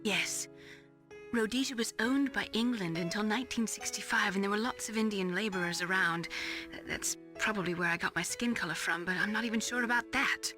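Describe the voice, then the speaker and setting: A woman's voice: mid-range voice, natural voice. Woman acting a wounded, bitter female scientist over music. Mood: wistful, confessing. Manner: halting, emotional, intense. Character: wounded, bitter female scientist confessing her secret past. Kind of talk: dramatic video game voice acting. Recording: dramatic music behind the voice.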